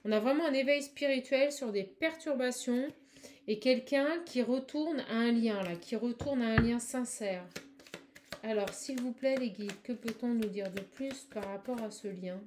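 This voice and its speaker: Woman doing a spiritual card reading, kinda high voice, talks fast n gushy, faint hiss behind. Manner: effusive, fast, exclamatory, addresses viewer directly. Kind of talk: live tarot-style channeling reading.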